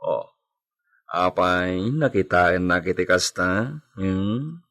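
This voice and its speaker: A man playing a landowner husband who dotes on his wife, speaking softly and teasingly. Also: sits low, expressive, takes it slowly, exaggerated voice. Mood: tender. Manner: soft, doting, teasing. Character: landowner husband, tender and protective. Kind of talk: amateur audio drama acting.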